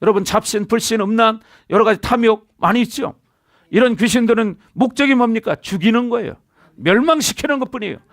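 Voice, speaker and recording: A man's voice: extremely high pitch, brisk, no room sound, studio quality. A middle-aged male pastor preaching a sermon in a church, calling out to the congregation and drawing responses from them. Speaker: senior pastor. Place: church sanctuary.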